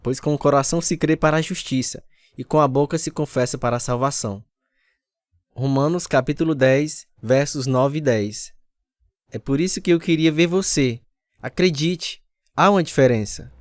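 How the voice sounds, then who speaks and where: A man's voice: on the high side, normal speed, dry recording, clean studio sound, close to an everyday voice. An actor playing an earnest, repentant husband who tells his conversion story in a scripted radio drama. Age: 30s. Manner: earnest, confessional delivery. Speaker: narrator and lead character. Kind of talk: scripted radio drama with first-person narration. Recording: radio drama over guitar music. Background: acoustic guitar music.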